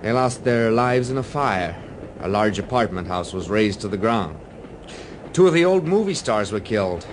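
A man's voice: fairly low pitch, lively intonation, moderate pace, noisy background, natural voice. An actor playing an amiable, slightly uneasy American man abroad in a radio drama, with an American accent. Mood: subdued.

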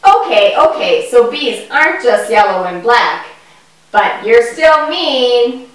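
A woman voicing an excitable, fearful young boy in a children's puppet show, with exaggerated delivery aimed straight at kids. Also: a little high, takes it slowly. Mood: amazed, explaining. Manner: exaggerated, addressing children directly. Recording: echoey hall, far from the mic.

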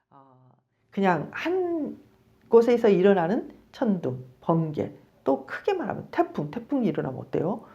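A woman's voice: medium pitch, highs cut off. A middle-aged woman, a psychology professor, giving a conversational video lecture on counseling and acting out bits of dialogue. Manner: animated, conversational, acts out quoted dialogue.

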